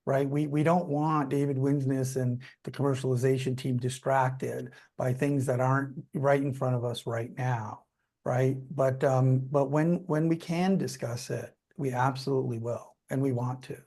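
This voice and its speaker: A man's voice: mid-range voice, fairly even intonation, moderate pace, a little mellow. A man speaking as a company executive, answering questions off the cuff on an earnings call in an emphatic, repetitive way that keeps checking for agreement.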